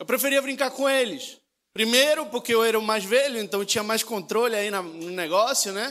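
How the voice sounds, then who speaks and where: In a Uruguayan accent, a man with an extremely high pitch and a bright, sharp tone talks at a moderate pace. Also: ordinary pitch variation. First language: Spanish (speaking Portuguese). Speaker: preacher. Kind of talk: sermon. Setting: church.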